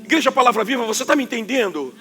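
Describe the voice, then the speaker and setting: Forceful high-voiced Carioca pastor preaching. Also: male voice, animated, very fast, soft background music. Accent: Carioca Portuguese. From Rio de Janeiro, Brazil. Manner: forceful, emphatic preaching that sounds like scolding. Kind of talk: sermon.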